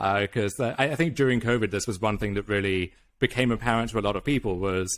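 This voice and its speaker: In a British accent, a man talks at a fairly quick pace. His pitch is fairly low, and the recording is very clean with a silent background. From UK. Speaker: pro gamer and content creator. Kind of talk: interview conversation. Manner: halting, frequent restarts.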